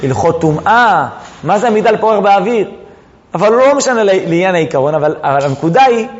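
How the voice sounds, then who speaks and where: A man teaching a lesson on religious texts, animated, drawing out words for emphasis as he tells the stories. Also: high-pitched. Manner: animated, drawn-out emphasis, storytelling. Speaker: Torah teacher. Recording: dull recording in echoing hall.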